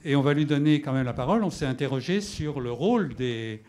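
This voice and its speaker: A man moderating a public debate, brisk and organized as he hands the floor around and wraps up. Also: medium pitch, expressive, a little mellow. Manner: brisk, organizing, apologetic about time.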